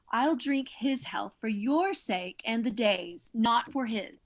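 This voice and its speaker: A woman's voice: on the high side, expressive, slow pace, vocal fry, heavily acted. An actress playing an outspoken, loving Victorian mother in a radio play, bustling and emphatic. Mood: indignant.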